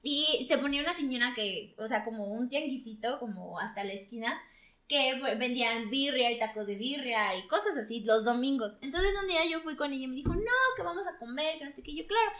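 A young Mexican woman with a high, bright voice tells gross-out stories in casual chat. She is animated, laughs easily and breaks into exclamations. The room sounds noticeably echoey. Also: fairly quick.

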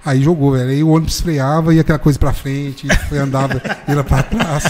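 A man telling an animated, slangy story in casual chat, peppering it with "velho". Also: on the high side, fairly quick. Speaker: football fan telling a story.

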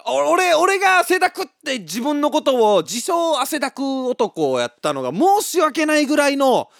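A man from Osaka with a Kansai accent, telling a casual story as a monologue, animated and often laughing. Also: very high voice, moderate pace, creaky, no echo, clean studio sound. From Osaka, Japan.

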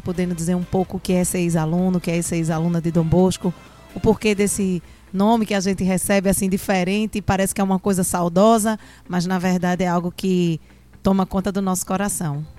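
A woman's voice: fairly low pitch, level tone, fairly quick, mellow, soft background music. A woman who is a guest on a podcast, introducing herself in a friendly, cheerful way. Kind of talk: podcast interview.

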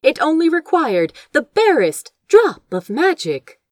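Expressive woman storyteller, widely swooping pitch. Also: measured pace, no echo, studio quality. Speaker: audiobook reader of fan fiction. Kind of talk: dramatic scripted narration, fiction read aloud.

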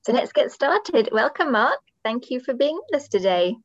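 A woman's voice: sits high, sing-song, moderate pace, no room sound. A woman hosting a podcast in a conversational interviewing style. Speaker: podcast host. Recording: dull, band-limited dry microphone sound.

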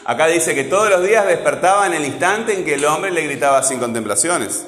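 A man's voice: on the high side, lively intonation, brisk, a bit bright. A male teacher who teaches a class and keeps repeating his questions to prompt his students. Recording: echoey hall, faint background noise.

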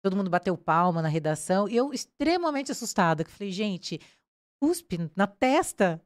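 A woman's voice: medium pitch, brisk, dry recording, studio quality. A woman with a Brazilian accent, a crime reporter telling her story in a casual interview and acting out what people said. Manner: animated, acts out quoted dialogue.

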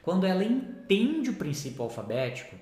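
A man, a literacy teacher, quickly explaining a teaching term. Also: high voice, big pitch swings, a little mellow. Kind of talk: casual explanatory talk. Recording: echoey room.

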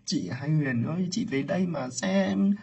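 A man voicing a sharp-tongued, doting elderly village matriarch who scolds and wails theatrically. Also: big pitch swings, a little fast, slightly rough, exaggerated voice. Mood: shrieking lament. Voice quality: shrill wailing scolding. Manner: theatrical lamenting cries. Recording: lo-fi with faint music.

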